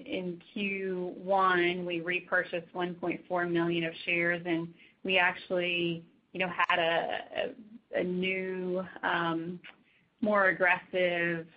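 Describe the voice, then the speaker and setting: A woman executive answering questions on an earnings call in a measured, matter-of-fact manner. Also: fairly low pitch. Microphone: conference call. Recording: dull, lo-fi conference call line.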